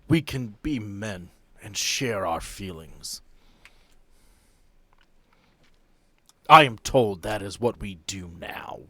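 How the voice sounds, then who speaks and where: A man's voice: lowish voice, expressive, slow pace, bright, forceful tone, no room sound, pitched below the performer's own voice, full character voice. A man voicing an earnest knight from the olden days, speaking in solemn, archaic, formal phrases for a tabletop game. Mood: solemn, confiding. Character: earnest archaic knight from olden realm, displeased by modern life.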